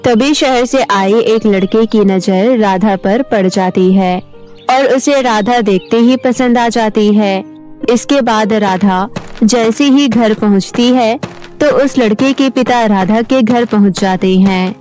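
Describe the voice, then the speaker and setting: A woman narrating an animated children's story in a calm storytelling way. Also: a little high, slow, faint music behind.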